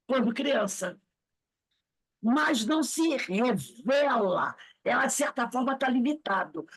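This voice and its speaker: Husky Brazilian woman in her sixties lecturing. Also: a little high. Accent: Brazilian Portuguese. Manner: chatty storytelling, acting out quoted voices. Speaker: study group lecturer. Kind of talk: informal lecture to a study group.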